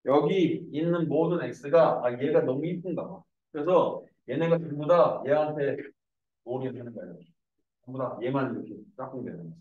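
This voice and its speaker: Joking male math teacher in echoey room. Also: medium pitch. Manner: animated, joking storyteller. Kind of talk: lecture mixed with casual anecdotes. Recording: echoey room, distant dull mic.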